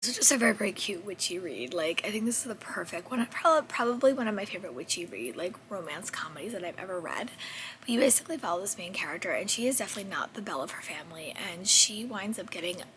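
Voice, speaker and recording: Woman, 30s, book vlogger, voice nearly gone, breathy and hoarse, bright tone, faint noise behind. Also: medium pitch, lively intonation, fast talker, low-quality recording. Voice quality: breathy, half-whispered. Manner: chatty, rambling with self-corrections. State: hoarse, losing her voice. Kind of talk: casual book wrap-up chat.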